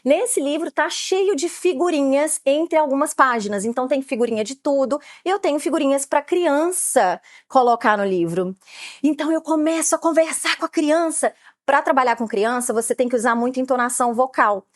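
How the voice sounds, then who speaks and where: A Brazilian woman in her late thirties talks on an interview podcast, her voice sitting high and bright in pitch. She explains her work eagerly, piling on fillers as she goes. The sound is close and dry, with no room around it. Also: moderate pace, dry recording. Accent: Brazilian Portuguese. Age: late 30s. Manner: lively, explanatory, many fillers. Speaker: photographer guest.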